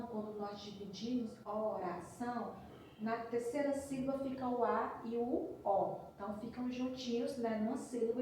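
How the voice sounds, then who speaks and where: A woman's voice: fairly high pitch, warm tone, a little hiss or hum. A woman teacher giving a patient recorded review lesson, explaining step by step and checking in with frequent tags. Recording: roomy echo from a distance.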